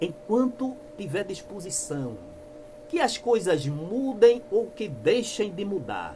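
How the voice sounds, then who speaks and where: Speaking at a very slow pace, a man with a high pitch swings his pitch very widely, with noticeable background noise and audible room echo. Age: 60s. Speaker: church member and online commentator. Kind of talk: denunciation monologue, sermon-like. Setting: live online broadcast. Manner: impassioned, preachy.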